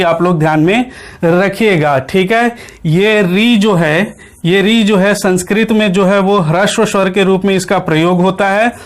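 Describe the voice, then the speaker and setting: High-voiced male grammar teacher quizzing himself. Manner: asks the class questions, then answers them himself; repeats key points with frequent checks. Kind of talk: online exam-prep lecture.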